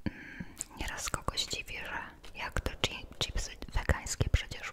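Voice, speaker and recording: Amid loud background noise, a soft-spoken woman whispers at a fairly slow pace. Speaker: product reviewer. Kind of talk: soft-spoken product review. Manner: soft close-mic ASMR whisper. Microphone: studio mic.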